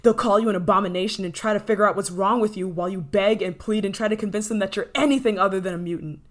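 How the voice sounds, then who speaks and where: A woman's voice: medium pitch, close to an everyday voice. A woman playing an obsessive, menacing scientist in an intense, possessive ASMR roleplay. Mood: menacing, taunting. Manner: intense, pleading, possessive, dramatic pauses. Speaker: voice actor in audio roleplay.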